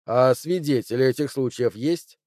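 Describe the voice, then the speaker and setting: A man voicing a sharp, confident detective in an audiobook, speaking precisely and a little louder than his narration. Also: medium pitch, moderate pace, no room sound, studio quality, natural voice. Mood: assured. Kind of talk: audiobook character voice.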